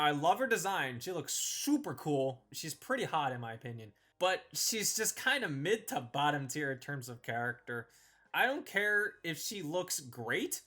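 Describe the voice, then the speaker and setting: A man's voice: a little high, pushed and bright. A man hosting a casual, opinionated ranking video, talking in an informal, slangy, conversational way. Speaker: video host reviewing visual novel characters. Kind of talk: casual opinionated tier-list commentary.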